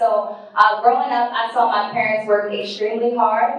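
A woman at a moderate pace, with strong room echo. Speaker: guest. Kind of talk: talk to a conference audience. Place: meeting room. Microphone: camera far.

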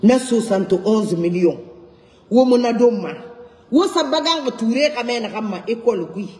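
Over noticeable background noise, a woman speaks at a fairly slow pace with lively intonation. She leaves long, frequent pauses. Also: fairly high pitch for a woman. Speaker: political commentator on video channel. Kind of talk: direct-to-camera political address. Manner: indignant, urgent.

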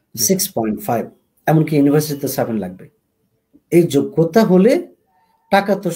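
A man's dark, mellow voice carries vocal fry and very wide pitch swings. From Bangladesh, Kushtia. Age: 40s. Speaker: English teacher and career advisor. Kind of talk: radio call-in advice talk. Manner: animated.

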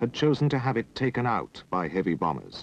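A man with a British accent speaks at a moderate pace in a medium pitch, his voice showing vocal fry and very wide pitch swings. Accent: British, received-pronunciation style. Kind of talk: scripted narration. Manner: formal, measured documentary delivery.

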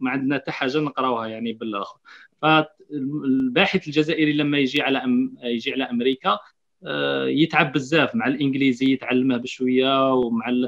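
Fairly even intonation marks a plain, everyday voice delivered at a moderate pace. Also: man, medium pitch for a man. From Algeria, Tiaret province (Tekhmaret). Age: young. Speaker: medical doctor and researcher. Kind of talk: casual interview in Algerian Arabic.

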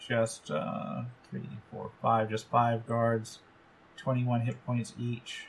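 The reading here is done in a natural voice.

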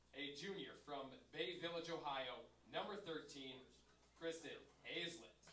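A man's fairly high-pitched voice with a bright, sharp tone, ordinary pitch variation, fairly slow pace, long and frequent pauses, light background noise and audible room echo. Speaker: stadium PA announcer. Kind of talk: reading lineups over PA. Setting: PA system. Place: stadium.

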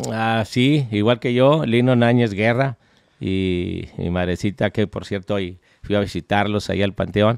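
A man with a fairly low pitch talks at a fairly slow pace with ordinary pitch variation, the sound dry with no echo over a quiet background. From northern Mexico, Marín, Nuevo León; Nuevo León, Mexico. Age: 60s. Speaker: Tejano music announcer. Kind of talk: interview. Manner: halting, many fillers. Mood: relaxed, reminiscing. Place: studio. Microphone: studio mic.

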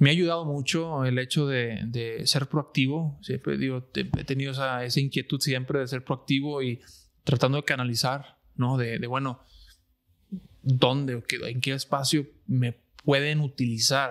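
Against a quiet background, a man talks fairly slowly with fairly even intonation. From Mexico. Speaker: meat science researcher and podcast host; podcast host. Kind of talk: casual interview. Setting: in person at a congress. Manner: halting, many repetitions. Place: meeting room. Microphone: studio mic.

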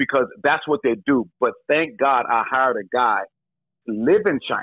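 A man's plain, everyday voice at a medium pitch, with lively intonation and a moderate pace. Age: 50s. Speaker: pastor and fitness entrepreneur. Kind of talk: interview answer.

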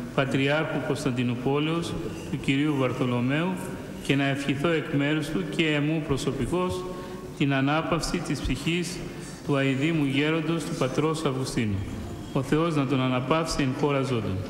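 Audible room echo and light background noise surround a man speaking at a fairly slow pace. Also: fairly even intonation. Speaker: bishop. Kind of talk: liturgical prayer and speech. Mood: solemn, memorial. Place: church. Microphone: podium.

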